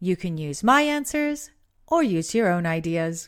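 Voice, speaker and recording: With an American accent, a woman at a medium pitch talks at a very slow pace with very wide pitch swings, in a very clean recording over a silent background. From US, Southern California. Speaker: English teacher and podcast host. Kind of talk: scripted grammar lesson dialogue.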